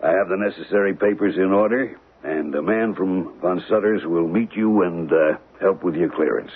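An actor playing an aging, cautious jewel dealer in an old radio drama, gravelly and husky, speaking in a measured, businesslike, authoritative way. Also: male voice, low voice. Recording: muffled, tinny old radio recording.

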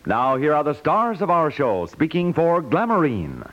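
A man's voice: fairly high pitch, very animated, normal speed, loud music behind the voice. A man with an American accent announcing and selling in a polished, emphatic 1950s radio commercial style. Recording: muffled 1950s radio recording.

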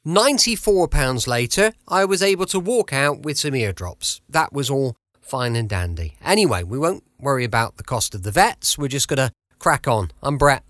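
A man's voice: mid-range voice, expressive, moderate pace, fairly bright tone, dry recording, clean studio sound. A man from England hosting an old-time radio podcast from his home, in a chatty, upbeat way. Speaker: podcast host. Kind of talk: casual podcast introduction. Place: home studio.

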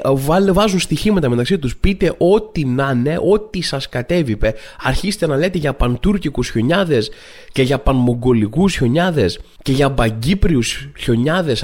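A young man hosting a comedy podcast, ranting in an exasperated, incredulous way with sudden shouted bursts. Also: on the high side. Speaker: podcast host. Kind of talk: comedic rant monologue. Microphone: studio microphone at a desk.

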